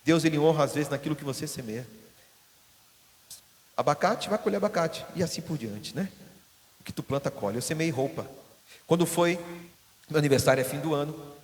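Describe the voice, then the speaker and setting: A man's voice: a little high, lively intonation, moderate pace, long pauses. A man preaching a sermon as pastor in a church hall, telling stories and acting out the voices of the people in them. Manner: storytelling, acting out quoted voices. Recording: long hall reverb.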